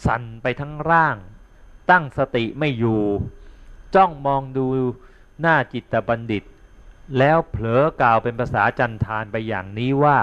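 Thai monk chatting through a tale, lo-fi. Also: male voice, medium pitch, moderate pace, fairly bright tone, clean tone. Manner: chatty, repeats words while thinking aloud; explains like a teacher, checks in with listeners. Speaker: Buddhist monk. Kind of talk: informal dharma talk retelling an old tale. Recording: dull lo-fi recording.

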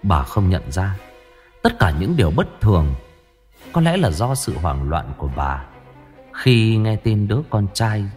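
Guy telling a ghost story, low husky voice, lots of ups and downs. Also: big pitch swings, measured pace, darkish tone, faint music behind. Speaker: narrator.

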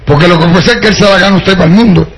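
A man's voice: high-pitched, very fast, gravelly, poor audio. An older man from Puerto Rico with a Puerto Rican accent, preaching his testimony to a congregation, addressing listeners directly and slipping in wry jokes. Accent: Puerto Rican Spanish.

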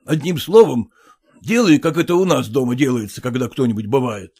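A man voicing a stern, bossy older man who lectures and scolds his son-in-law in a slow, drawn-out way. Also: medium pitch, darkish tone, breathy edge. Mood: lecturing.

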